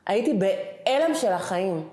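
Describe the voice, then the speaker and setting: A woman's voice: mid-range voice, a little hiss or hum. Middle-aged woman telling her story in an echoey room. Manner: animated, acts out the dialogue she retells. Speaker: interview guest. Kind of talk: emotional personal storytelling. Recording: roomy echoing room.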